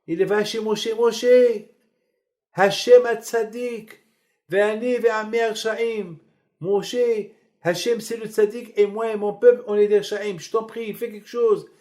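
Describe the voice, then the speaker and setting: A panicked ancient king begs for the punishment to stop, put on by a man preaching. His voice rides high and urgent, insistent and pleading. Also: fairly even intonation, unhurried, a little mellow. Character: terrified ancient king, male, begging for mercy.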